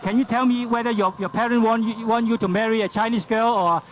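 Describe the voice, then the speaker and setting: High-voiced man moderating a panel. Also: fairly even intonation, quick pace, low-quality recording. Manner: questioning, ends lines with "huh?". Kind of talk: panel discussion.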